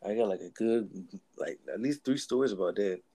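A man's voice: fairly low pitch, fairly quick, warm tone. Laid-back young man, slangy storyteller. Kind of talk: casual chat between friends.

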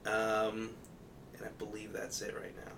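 A man's voice: fairly low pitch, monotone, unhurried, a bit bright. A young man chatting casually as a podcast guest, rambling with fillers and laughing often.

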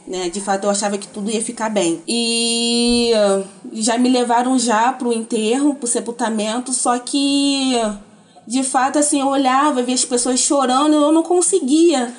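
A woman recounts a painful memory as an interviewee. She speaks in a somewhat high register, with a halting, emotional delivery that keeps breaking off and starting again. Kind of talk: personal testimony.

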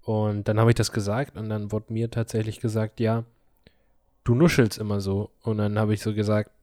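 A man's voice: on the low side, completely flat delivery, fairly quick, dark tone, no room sound, studio quality. A man in his twenties co-hosting a casual podcast, chatty and teasing. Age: 20s. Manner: chatty, teasing, laughs easily. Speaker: podcast co-host.

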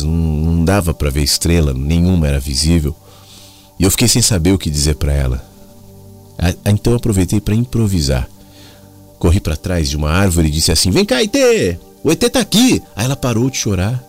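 A middle-aged man gives a slow, poetic spoken reflection, telling a family story and quoting poets. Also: low voice. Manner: slow, musing, poetic delivery with quotations. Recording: soft music behind the voice.

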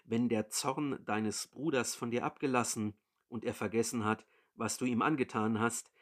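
A man's voice: medium pitch, steady tone, moderate pace, close to an everyday voice. A man voicing a mother who earnestly urges her son to flee. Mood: urgent.

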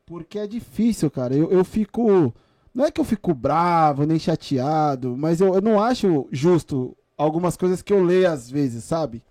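A man's voice: on the high side, expressive, normal speed, mellow, dry recording. A man with a São Paulo Brazilian accent co-hosting a podcast in casual, slangy talk, repeating phrases for emphasis. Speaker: podcast co-host.

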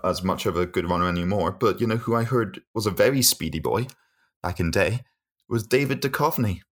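A man with a deep voice, co-hosting a podcast in casual chat and laughing often as he jokes. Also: brisk. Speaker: podcast co-host.

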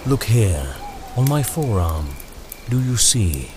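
An actor playing a sinister, poetic gentleman stranger in a dark audio drama, speaking with formal, measured menace. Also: on the low side, sing-song, background noise. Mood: commanding. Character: sinister, courtly, poetic stranger in fine clothes.

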